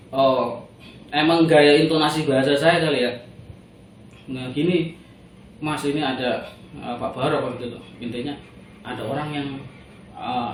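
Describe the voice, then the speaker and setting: A man's voice: mid-range voice, a little hiss or hum. A man from Indonesia, casually telling a story as a guest and acting out the dialogue with laughter. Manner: animated, laughing, acts out dialogue. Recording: roomy echo from far off.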